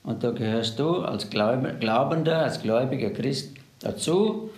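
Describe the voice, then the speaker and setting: A man's voice: mid-range voice, lively intonation, measured pace, reverberant. A man preaching a sermon, earnestly addressing the listener directly.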